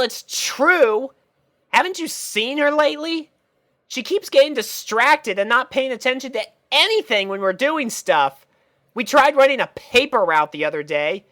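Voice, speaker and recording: A woman acting tomboy cartoon filly, brash, impatient, blunt, high pitch, lively swings. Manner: blunt, pushy.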